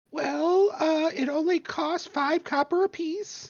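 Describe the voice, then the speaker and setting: In a put-on character voice, the speaker talks at a fairly slow pace with a high, squeaky pitch. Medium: actual play. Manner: friendly, accommodating.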